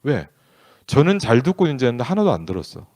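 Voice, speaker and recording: A man's voice: medium pitch, wildly swooping pitch, fast talker, darkish tone, no room sound. A male pastor preaching in a candid, conversational storytelling way, acting out bits of dialogue as he tells a family story. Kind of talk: storytelling sermon.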